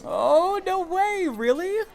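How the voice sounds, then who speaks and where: An actor playing a teasing, supportive small-town barista in an audio drama, expressive and playful. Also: very high voice, takes it slowly, creaky, soft background music, full character voice. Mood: teasing, excited. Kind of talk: naturalistic audio drama acting.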